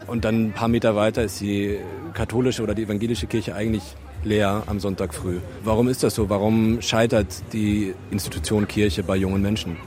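A man's voice: lowish voice, little pitch movement, brisk, darkish tone. Young male reporter, outdoor park interviews, blunt friendly questions. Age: young adult. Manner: chatty, direct questions. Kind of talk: casual street interviews.

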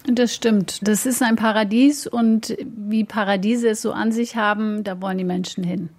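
A woman's voice: medium pitch, fairly even intonation, moderate pace, darkish tone. A woman whose first language is English, a food blogger answering radio interview questions thoughtfully, searching for words with fillers. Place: on location by a lake.

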